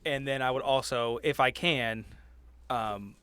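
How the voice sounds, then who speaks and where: A man talking casually as a player in a tabletop game, explaining his moves in a hesitant, halting way. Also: medium pitch, bright, forceful tone, clear, resonant tone, no room sound.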